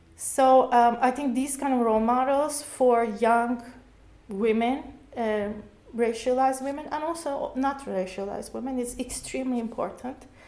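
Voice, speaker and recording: A woman talks with a high pitch and fairly even intonation. Room echo is audible. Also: moderate pace. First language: not English or German. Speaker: professor. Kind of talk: interview.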